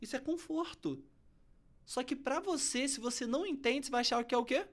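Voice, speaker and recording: A Brazilian woman explaining public speaking as a coach in a podcast interview, very expressive, swinging from firm, loud emphasis to soft near-whispers to show tone of voice. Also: high-pitched, a little fast.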